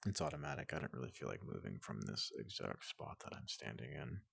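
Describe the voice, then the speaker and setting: A man voicing a tall, gentle robot doctor in soft ASMR roleplay, hesitant and politely clinical, often slipping into a whisper, close to the microphone. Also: rumbling low, expressive, fairly quick, no room sound, full character voice. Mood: calmly clinical. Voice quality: breathy, gravelly, often dropping into whisper.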